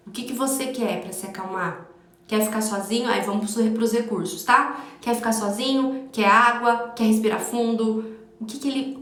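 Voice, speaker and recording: A woman parenting educator giving a lively live talk to parents, full of rhetorical questions and acted-out parent voices. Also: fairly high pitch, heavy reverb.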